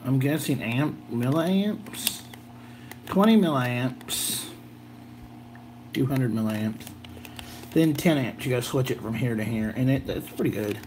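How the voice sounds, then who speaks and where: Slow, rambling American guy, a little tired. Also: mid-range voice, animated, a little mellow, slight background noise. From southern Illinois, United States. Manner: rambling, folksy, jokey. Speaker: gadget video host. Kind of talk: rambling casual vlog.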